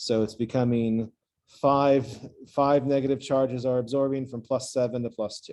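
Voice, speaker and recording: A man's dark, mellow tone at a medium pitch, monotone and flat in intonation, at a moderate pace. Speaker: chemistry lecturer. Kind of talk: lecture.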